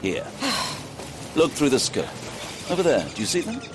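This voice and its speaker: An actor playing a cheeky maverick police detective in an audio drama, wry, teasing and offhand. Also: male voice, on the high side, wildly swooping pitch, normal speed, noisy background.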